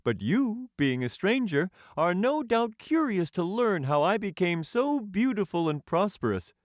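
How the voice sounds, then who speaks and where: A man's voice: sits high, sing-song, measured pace, dry recording, clean studio sound, voice pushed up. A man voicing a proud, courtly tin man emperor who tells stories in formal, grand storybook language, cheerfully pleased with himself. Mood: proud, gracious. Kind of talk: audiobook character voice.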